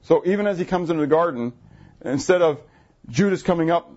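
A man preaching a sermon to his congregation, animated, asking the room questions, with jumps in pitch when he gets excited. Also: fairly quick, muffled recording. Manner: jumpy pitch, bursts high when excited. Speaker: pastor. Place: church assembly room.

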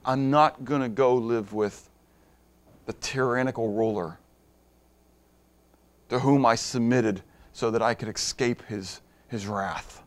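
A middle-aged man preaching a sermon in a conversational way, asking the congregation questions and moving from hushed asides to emphatic points. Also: mid-range voice, takes it slowly, long pauses. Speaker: pastor.

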